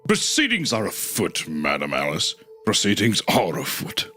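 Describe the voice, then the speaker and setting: A man voicing a pompous, self-serious gentleman of a grand house, drawn-out and formal, in a comic story reading. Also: sits low, wildly swooping pitch, faint music behind, voice pushed down, exaggerated voice. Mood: solemn, grandiose.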